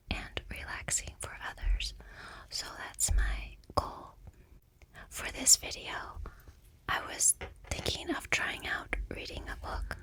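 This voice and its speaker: A middle-aged woman, quiet and soft-spoken, whispering gently in an ASMR talk and reading a book aloud. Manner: gentle, unhurried, soothing. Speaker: ASMR creator.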